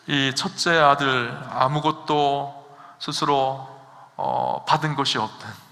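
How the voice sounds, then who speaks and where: A man's voice: mid-range voice, bright, forceful tone. A man preaching a sermon as pastor, asking his congregation questions and building to emphatic peaks. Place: church sanctuary. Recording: long hall reverb.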